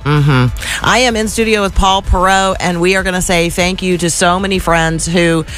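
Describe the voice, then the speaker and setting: Gravelly-voiced woman radio host. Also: on the low side, moderate pace, a bit bright, soft background music. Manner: chatty and effusive, with fillers and restarts. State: slightly gravelly from allergies. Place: radio studio. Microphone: studio microphone.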